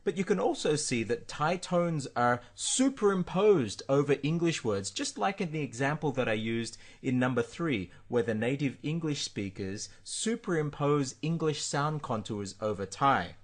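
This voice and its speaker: A man reading a scripted explanation aloud in a steady, explanatory manner. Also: medium pitch.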